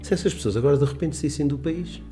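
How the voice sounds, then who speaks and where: A middle-aged businessman being interviewed on local radio. He talks quickly in a low, dark, mellow voice, rambling and emphatic. Faint music sits under the studio sound. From Portugal. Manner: rambling, emphatic, with restarts and quoted dialogue. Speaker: business owner guest.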